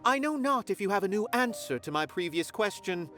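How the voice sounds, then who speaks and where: A man's voice: high voice, big pitch swings, a little fast, pushed and bright, full character voice. An actor voicing an eloquent, wandering male art connoisseur in a video game, formal and grandiloquent. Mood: lofty. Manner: formal, grandiloquent, archaic phrasing.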